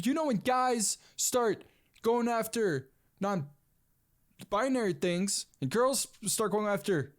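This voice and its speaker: A man in his twenties hosting a casual solo podcast, rambling and calling everyone "dude". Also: high-pitched. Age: 20s. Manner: rambling, animated, says "dude" a lot. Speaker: podcast host.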